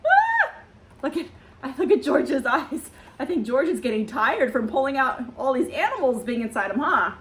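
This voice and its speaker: A woman's voice: high-pitched, animated, moderate pace. A young woman reading a picture book to children, asking them questions in a cheerful, sing-song teacher manner. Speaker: children's storytime reader.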